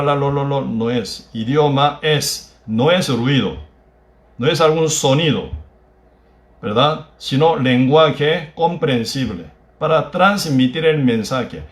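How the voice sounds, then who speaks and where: A Korean man who is a native Korean speaker preaches a sermon with a Korean accent. He speaks in halting, broken phrases and keeps adding tag questions. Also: a little high, echoey room. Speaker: pastor. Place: church.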